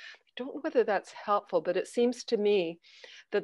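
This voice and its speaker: In a dry recording with no echo and a quiet background, a woman speaks. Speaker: essayist; guest. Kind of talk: panel discussion. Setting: video call. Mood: calm, thoughtful. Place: home room. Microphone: video call.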